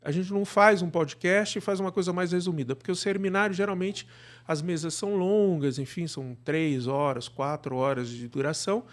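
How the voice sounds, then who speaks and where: A middle-aged Brazilian man talks as a guest in a casual interview. His voice sits a little high for a man. He explains things discursively, often checking in with short tag questions. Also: a little fast. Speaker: interview guest, actor and podcast producer. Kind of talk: casual conversational storytelling.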